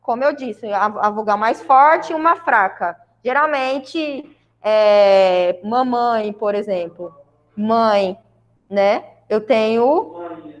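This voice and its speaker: A woman's voice: a little high, expressive, takes it slowly, long reverb tail, lo-fi sound. A Brazilian woman teaching a grammar lesson to a class, explaining step by step and often checking in with her students. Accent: Brazilian Portuguese. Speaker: school Portuguese teacher.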